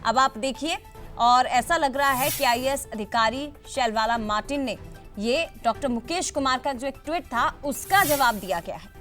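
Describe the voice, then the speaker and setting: A woman's voice: high-pitched, moderate pace, a bit bright, soft background music. A woman anchoring a TV news debate, putting pointed questions to guests.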